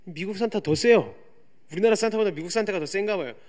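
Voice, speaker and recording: A young man preaching a youth sermon in a church, chatty and explanatory, dropping to quiet asides and rising to loud emphatic points. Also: high-pitched, fast talker. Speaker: youth pastor. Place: church sanctuary.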